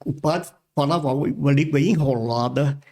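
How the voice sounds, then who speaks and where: Gravelly older pastor. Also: male voice, mid-range voice, dark tone. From Brazil. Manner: halting, repeats words while recalling. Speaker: pastor, podcast guest. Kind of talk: casual interview storytelling.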